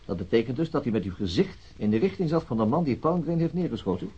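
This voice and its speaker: Husky, quick-talking police chief inspector. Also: male voice, medium pitch, sing-song, mellow. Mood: probing. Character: unhurried, methodical male police chief inspector. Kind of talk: radio drama acting. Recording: dull lo-fi radio drama recording.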